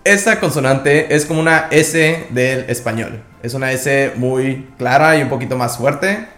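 A man teaching a language lesson, calmly explaining each sound step by step. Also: mid-range voice, unhurried, faint music behind. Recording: echoey room.

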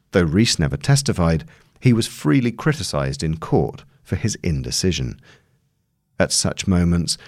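Male narrator for audio long read: low-pitched, measured, articulate, dry close sound. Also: a little mellow, no echo. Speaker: narrator reading a long-form news article.

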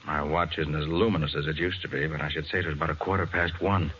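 Deep-voiced cool radio detective. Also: male voice, fairly even intonation, fast talker, a bit bright. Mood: calm, reassuring. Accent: American. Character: cool, resourceful male private detective. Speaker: lead actor in a radio crime drama. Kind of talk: 1940s radio acting. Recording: muffled, noisy 1940s radio recording.

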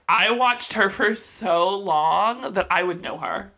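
A woman's voice: medium pitch, slow, gravelly, pushed and bright. A woman co-hosting a podcast, chatting casually and animatedly, often laughing. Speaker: podcast co-host. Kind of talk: casual chat.

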